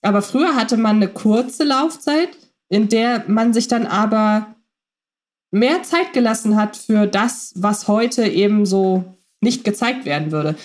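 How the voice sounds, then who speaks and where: A woman in casual podcast conversation, weighing ideas aloud in a thoughtful, analytical way. Her pitch sits in the ordinary middle for a woman, and fillers now and then break up her flow. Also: animated, a little slow. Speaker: podcast co-host. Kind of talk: casual chat.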